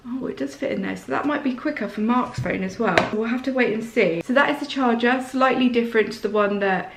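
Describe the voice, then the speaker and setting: A woman vlogger with a slight sore throat, chatting excitedly through a casual unboxing indoors. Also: a little high, brisk, vocal fry, reverberant, noisy background.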